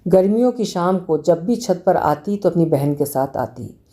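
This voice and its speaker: A woman reading a short story aloud in a measured, expressive way. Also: lowish voice.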